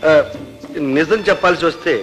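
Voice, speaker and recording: An actor playing a rich, indulgent young master in a theatrical film drama, with a lordly, drawling delivery. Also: male voice, fairly high pitch, brisk, a bit bright, soft background music, close to an everyday voice, rough recording. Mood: lordly, teasing. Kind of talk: Telugu film drama acting.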